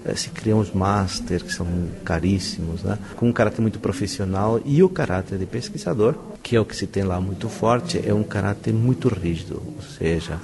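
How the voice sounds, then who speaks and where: Man, Brazilian accent, low gravelly voice, emphatic professor, rhetorical questions, interview amid crowd chatter. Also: moderate pace, few pauses. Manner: enthusiastic, emphatic, asks himself rhetorical questions. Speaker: university professor being interviewed. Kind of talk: spontaneous interview answer.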